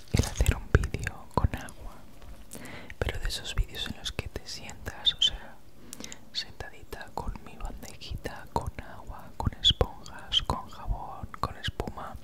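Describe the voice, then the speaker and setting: This ASMR creator, a woman in her thirties from Spain, speaks a little slowly in casual, breathy, unvoiced whispers placed right by your ear, with a noticeable S sound. The setting is a small room indoors at home, with a handheld foam-windscreened recorder very close.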